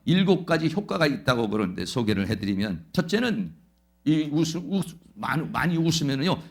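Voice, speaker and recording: A man's voice: a little high, gravelly. A male pastor preaching a Sunday sermon, fervently proclaiming declarations and answering his own questions. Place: church Sunday service.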